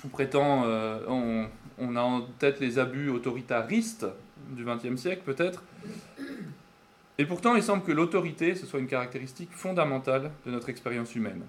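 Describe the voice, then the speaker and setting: A man's voice: medium pitch, normal speed. Hesitant French-speaking man preaching. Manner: hesitant, with frequent fillers; asks the audience questions. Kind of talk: sermon with Bible reading.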